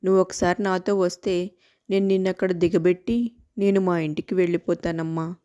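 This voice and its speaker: A woman's voice: on the low side, fairly even intonation, normal speed, mellow, muffled recording, lightly acted. Woman playing a polite male family friend. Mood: urgent.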